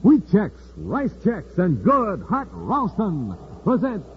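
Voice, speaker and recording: A man's voice: high voice, wildly swooping pitch, takes it slowly, phone-quality sound. A male announcer in a 1950s radio serial, narrating and selling cereal with showy emphasis. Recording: hissy old radio transcription.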